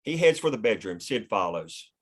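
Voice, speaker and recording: A man's voice: on the low side, very animated, normal speed. A man reading scripted screenplay stage directions as the narrator of a table read.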